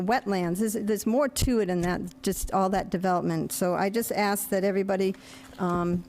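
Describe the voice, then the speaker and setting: A woman's voice: medium pitch, a little mellow. A woman reading a public comment at a town council meeting, earnest and urging caution. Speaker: resident speaking at public comment.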